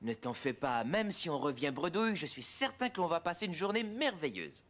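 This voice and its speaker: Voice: mid-range voice, very animated, brisk, fairly bright tone. An actor voicing a cheerful, encouraging father in a French-dubbed children's cartoon, upbeat and reassuring.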